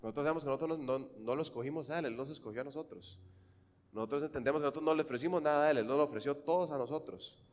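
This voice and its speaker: Fervent Costa Rican preacher, echoing hall. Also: male voice, fairly high pitch, rapid-fire. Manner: fervent, swings from hushed to loud emphasis. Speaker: pastor. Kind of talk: sermon.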